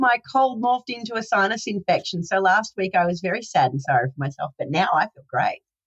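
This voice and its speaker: A woman with an Australian accent talks at a fairly quick pace, hardly pausing at all. Her pitch swings very widely and her loudness rises and falls by big amounts. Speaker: podcast co-host, investment editor. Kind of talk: casual chat.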